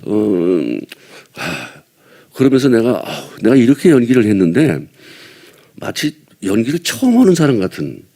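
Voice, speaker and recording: A man's voice: medium pitch, big pitch swings, moderate pace, warm tone. An older man from Seoul, a veteran actor, chatting casually at a press event, rambling and self-deprecating with little chuckles between thoughts. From Seoul, South Korea. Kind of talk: casual press-conference chat.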